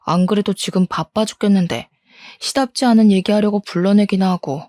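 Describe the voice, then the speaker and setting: A woman's voice: mid-range voice, a little fast, dark tone, no echo, clean studio sound, lightly acted. A woman voicing a defensive, scornful cheating husband in a story reading. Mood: irritated. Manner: defensive, scornful, blame-shifting. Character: angry cheating husband, middle-aged man. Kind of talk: storybook role-play.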